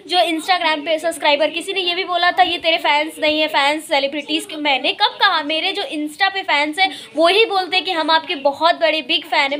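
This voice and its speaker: A woman's voice: very high-pitched, pushed and bright. A young woman vlogging outdoors in a rainy park, talking defiantly to camera about negative commenters. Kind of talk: casual vlog talk to camera.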